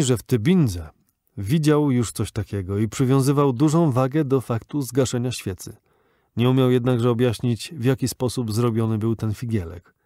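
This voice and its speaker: A man narrating an audiobook in a measured, even storytelling manner. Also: medium pitch, no echo, studio quality.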